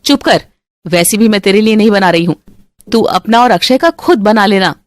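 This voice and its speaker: A woman's voice: medium pitch, moderate pace, dry recording, clean studio sound, close to an everyday voice. A woman voicing a harsh middle-aged mother-in-law who scolds curtly. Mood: scolding. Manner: curt and scolding.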